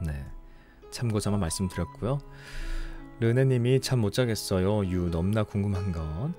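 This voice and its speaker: Tired young guy from ulsan, mellow lowish voice, soft easygoing late-night chat, faint guitar behind. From Ulsan, South Korea. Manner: soft, unhurried, apologetic and thankful. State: tired after a long broadcast. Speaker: book-reading livestream host. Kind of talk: casual chat reading listener comments.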